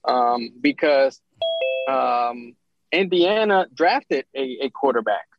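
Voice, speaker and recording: Halting man on a muffled call line. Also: medium pitch, no room sound. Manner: halting, many ums and restarts. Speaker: podcast co-host calling in. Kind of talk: casual sports chat.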